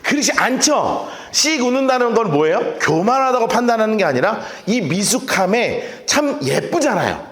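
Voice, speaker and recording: Male pastor, sermon, playful storytelling, highly animated pitch, echoey church hall. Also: normal speed, hardly any pauses.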